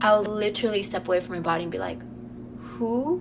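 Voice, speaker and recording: A woman with an American accent at a moderate pace, lively intonation, music in the background. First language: not English (Chinese Cambodian family). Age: 20s. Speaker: podcaster. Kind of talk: casual monologue. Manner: casual, chatty.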